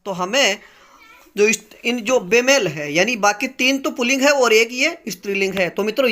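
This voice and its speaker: A man's voice: very high voice, sharp tone. A man teaching as he runs a grammar quiz, reading each question and its options, then explaining the answer patiently.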